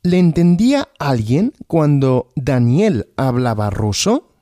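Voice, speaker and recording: Male language-podcast host, slow question-and-answer teaching, animated pitch, dry studio sound. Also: no room sound. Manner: asks questions and answers them himself, repeating.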